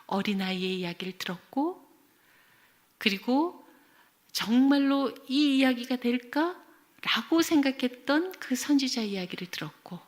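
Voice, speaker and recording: Expressive middle-aged woman lecturer, higher voice. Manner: expressive storyteller, often dropping to a near whisper. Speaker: Christian education professor lecturing. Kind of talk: church lecture with acted anecdotes.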